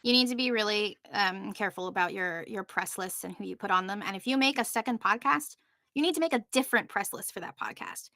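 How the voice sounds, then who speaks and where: A woman's voice: medium pitch, brisk, pushed and bright, dry recording, studio quality. A woman presenting on a panel in an informal, chatty way, often breaking off into asides. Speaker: panelist presenting on podcast marketing.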